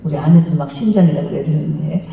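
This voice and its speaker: A woman giving a lively, lecture-style sermon on marriage in a large church hall, acting out little dialogues and having the congregation repeat phrases after her. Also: sits low, racing, vocal fry, slight background noise. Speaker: guest speaker at a church revival meeting. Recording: dull, very echoey hall, mic at a distance.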